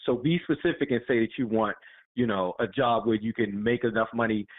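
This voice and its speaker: A man's voice: fairly low pitch, fairly quick. A man co-hosting a casual political discussion, speaking bluntly and plainly. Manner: blunt, plain-spoken, agreeing with short interjections. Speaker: podcast co-host. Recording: tinny phone-line sound.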